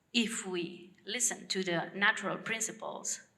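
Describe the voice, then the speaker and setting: A woman speaks at medium pitch with fairly even intonation. Audible room echo surrounds her voice. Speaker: business lawyer and conference speaker. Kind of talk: conference talk. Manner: halting, with fillers.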